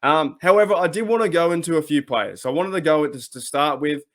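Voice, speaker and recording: A man's voice: fairly high pitch, quick pace, a bit bright. A man with an Australian accent hosting a sports talk channel, chatting casually and rambling with many restarts. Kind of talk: casual solo commentary.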